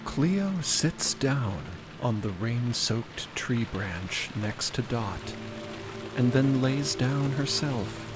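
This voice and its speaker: A man delivering scripted dramatic narration for audio fiction, measured, with deliberate pauses. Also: medium pitch, lively intonation. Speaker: narrator and voice actor. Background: loud music and rain sounds.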